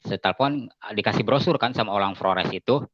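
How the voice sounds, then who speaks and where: A man giving a casual spoken testimony as an interview guest, telling his story in an animated way and acting out the lines of other people. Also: fairly quick, no room sound. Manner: animated storytelling, acting out quoted dialogue with raised pitch. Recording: dull, slightly lo-fi dry sound.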